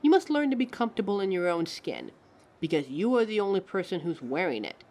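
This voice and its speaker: A woman's voice: on the low side, a little mellow, lightly acted. A woman voicing a living fashion mannequin in a scripted audio roleplay, haughty yet encouraging, with a dramatic, articulate delivery aimed straight at the listener. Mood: earnest, chiding. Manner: theatrical, dramatic, articulate, addresses listener as darling.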